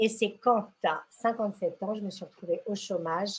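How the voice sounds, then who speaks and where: Fairly slow, somewhat breathy speech from a woman, with ordinary pitch variation. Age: 60s. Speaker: model and blogger. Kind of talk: interview. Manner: halting.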